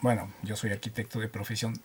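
Animated Quito man telling stories. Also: on the low side, fast talker, a little hiss or hum. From Ecuador. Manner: animated storyteller, jokes and laughs often. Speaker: guest, driving instructor. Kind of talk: casual radio interview.

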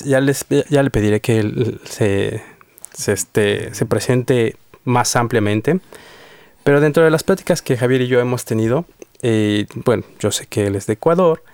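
A radio show host with a mid-range, somewhat dark voice chats through a casual studio interview, hesitant and full of fillers. The sound is dry, captured on a studio microphone.

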